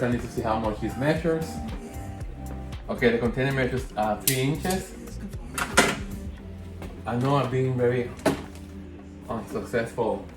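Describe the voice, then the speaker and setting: A man's voice: medium pitch, darkish tone. Man, Spanish accent, casual hands-on tutorial, rambling and self-correcting, roomy echo, faint music. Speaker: candle maker.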